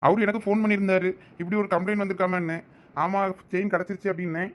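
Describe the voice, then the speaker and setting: A man plays a chatty middle-aged police officer in a cartoon, with a Thoothukudi Tamil accent. He speaks very fast and in a high voice, and he explains everything in long stretches. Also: steady tone, natural voice. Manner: rapid, chatty, explaining at length. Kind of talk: cartoon voice acting.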